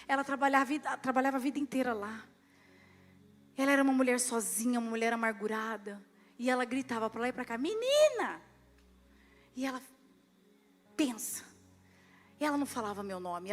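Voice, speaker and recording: A Brazilian woman pastor with a slightly high voice and a Brazilian Portuguese accent preaches a lively sermon at a church service. She swings between loud and hushed, acting out prayers and dialogue.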